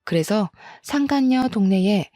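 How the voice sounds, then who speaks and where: A woman's voice: medium pitch, animated, unhurried, warm tone, dry recording, clean studio sound, faint music behind. A woman narrating a dramatic first-person story with emphatic, indignant delivery.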